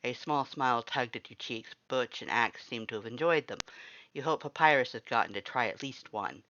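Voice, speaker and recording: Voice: medium pitch, normal speed, bright, forceful tone, highs cut off, a little hiss or hum. A narrator reading a scripted story aloud in the second person. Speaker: fan fiction reader, narrator.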